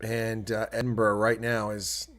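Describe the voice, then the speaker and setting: A man's voice: fairly low pitch, monotone, measured pace, fairly bright tone. An American man giving live rugby play-by-play and reactions, chatting with viewers as he goes. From United States. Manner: chatty, talks to viewers while calling play. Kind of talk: solo live rugby commentary.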